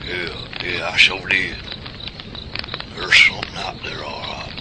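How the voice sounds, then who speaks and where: A man's voice: deep voice, fairly even intonation, a little slow. A man playing a grumpy old rural monster hunter with a folksy Southern US drawl in an audio drama. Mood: grumpy, defensive. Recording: loud outdoor ambience noise over voice.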